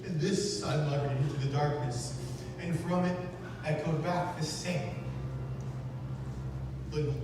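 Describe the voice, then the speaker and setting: A man giving a dramatic, haunted recitation of gothic poetry on stage, with halting pauses, recorded from the audience at a live event. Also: fairly high pitch. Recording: echoey hall, distant mic, noisy room.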